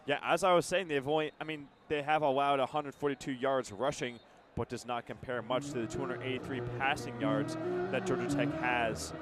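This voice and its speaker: A man giving live radio football analysis in a halting, conversational way, often restarting his phrases. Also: medium pitch, fairly even intonation, noisy background. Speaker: color commentator.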